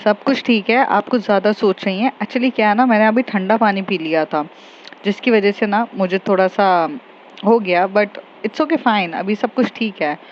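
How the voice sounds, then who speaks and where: A woman's voice: medium pitch, moderate pace, natural voice. A woman voicing an upset young woman who hides her tears and mixes English into her Hindi. The recording is slightly dull, with faint noise behind. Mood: deflecting.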